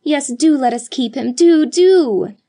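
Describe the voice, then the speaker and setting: Woman voicing eager young sisters, high and pleading. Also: very animated, warm tone. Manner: pleading, raised and quick.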